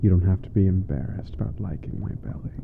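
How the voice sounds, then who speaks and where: Guy doing a big friendly giant roommate for asmr, creaky low voice, teasing n fond, muffled w loud rain-like pouring behind. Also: noisy background. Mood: caring, soothing. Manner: slow, soft-spoken, chuckling, playful formal wording. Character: gentle, teasing giant male roommate, affectionate and amused. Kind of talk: intimate ASMR roleplay.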